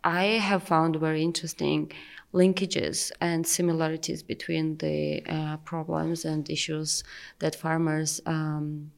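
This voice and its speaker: A woman's voice: deep voice, flat delivery, measured pace, creaky. A woman with a Georgian accent speaking as a farmer in an informal panel discussion. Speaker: farmer and project ambassador.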